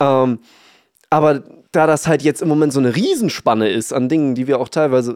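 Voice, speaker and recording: Over a silent background in a very clean recording, a man with a fairly high pitch talks at a fairly quick pace in an unremarkable speaking voice. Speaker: podcast co-host and business owner. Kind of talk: casual chat.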